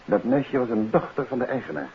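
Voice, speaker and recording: An actor playing a composed, inquisitive detective in a 1950s radio drama, probing in a conversational way. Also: male voice, mid-range voice, fairly quick, close to an everyday voice. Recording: dull 1950s radio recording, faint hiss.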